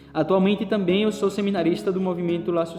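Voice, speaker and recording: Over music in the background, a man speaks in a high pitch with a monotone, flat intonation. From Brazil, interior of Bahia. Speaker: seminarian and missionary. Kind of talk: testimony. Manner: halting, many fillers.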